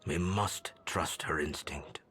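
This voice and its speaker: An actor playing an older, regretful tribal elder in a game cutscene, speaking gravely and haltingly in a gravelly, breathy rasp. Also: male voice, a bass voice, sharp tone, heavily acted. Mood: regretful, resolved. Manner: slow, halting, solemn storytelling. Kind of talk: dramatic video game cutscene monologue.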